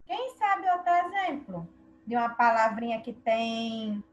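Slow, patient Brazilian woman teacher. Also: on the high side, very animated, muffled recording. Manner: patient, slow, quizzing pupils. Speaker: primary school teacher. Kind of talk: online class for children.

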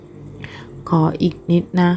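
A woman voicing a teasing, affectionate young foreign father in an audio novel, speaking in a soft, coaxing way. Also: lowish voice, little pitch movement, measured pace, gravelly, faint music behind. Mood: tender.

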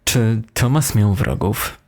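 A man's voice: on the low side, expressive, takes it slowly, darkish tone. A man reading the part of a stern, threatening detective in an audio horror story, curt and menacing. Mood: businesslike.

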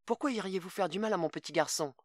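A man voicing a frightened, anxious mother who speaks in a shrill, panicky way. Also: fast, a bit bright, no echo, clean studio sound, lightly acted. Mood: alarmed. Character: frightened anxious mother, middle-aged woman.

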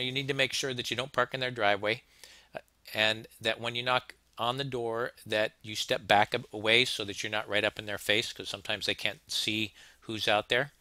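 The HVAC instructor delivers his narrated slide lecture in a relaxed, conversational style, frequently restarting and circling back to repeat points. His slightly low voice sounds very bright and forceful. The recording is close and dry, with no room sound or echo.

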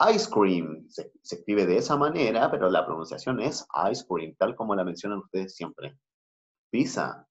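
A man with a Chilean accent teaching an English class online, switching between slow English and Spanish explanations. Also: lowish voice, fairly bright tone. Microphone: video call. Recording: muffled video-call audio.

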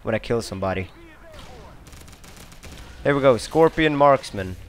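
A young man from Sweden giving live gameplay commentary, excitable and swearing often, with sudden outbursts. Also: medium pitch, unhurried.

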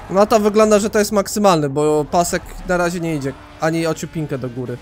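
High-voiced excitable man gaming. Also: quick pace. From Poland. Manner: excitable, rambling, swears casually. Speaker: let's play host. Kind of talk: let's play commentary.

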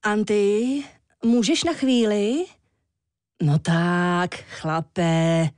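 A big grumpy walrus, old and male, grumbling low and gruff, as a woman reading a children's storybook puts him on. The voice is dry and close, with no room around it. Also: a little mellow, dry recording, lightly acted. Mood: pleading. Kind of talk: children's audiobook.

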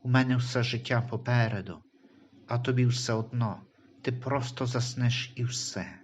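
A man's voice: medium pitch, moderate pace, highs cut off, a little hiss or hum, close to an everyday voice. A man voicing a desperate, selfish young mother in a Christian audio story, talking in a plaintive, self-justifying way.

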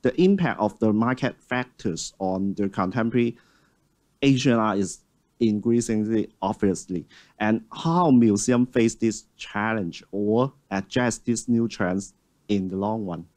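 Halting man moderating a panel. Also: on the low side, darkish tone. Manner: halting, with many fillers and restarts. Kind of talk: conference panel discussion. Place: stage of a large auditorium.

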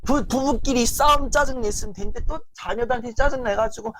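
A man giving a lecture on family relationships in a lively, rambling way, often acting out family arguments. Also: extremely high pitch, a little fast. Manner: animated, heavy use of fillers, acts out quoted family arguments. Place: lecture stage.

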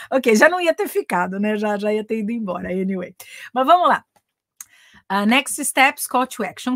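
A woman's voice: a little high, no room sound. Brazilian woman teaching a live english class, chatty, keeps tossing in english words and tag questions, dry sound. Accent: Brazilian Portuguese. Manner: chatty, mixes English phrases into Portuguese, frequent tag questions. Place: home in England.

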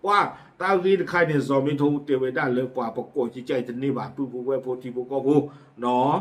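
A man's voice: mid-range voice, fast. A man presenting community news in a casual, chatty way, with frequent fillers and asides. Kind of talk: casual spoken news commentary.

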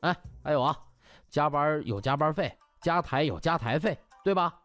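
A man's voice: fairly high pitch, expressive, normal speed, a bit bright, faint music behind. A man voicing a cheeky young male doctor in an audiobook, smug, mock-polite and wheedling. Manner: mock-polite, wheedling, chuckling colloquial talk.

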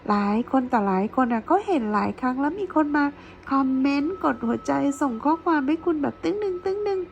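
A high-pitched woman with a gravelly, creaky edge gives a playful, gushing tarot reading straight to her viewers. The recording is a little dull and lo-fi with faint noise behind her. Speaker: tarot reader.

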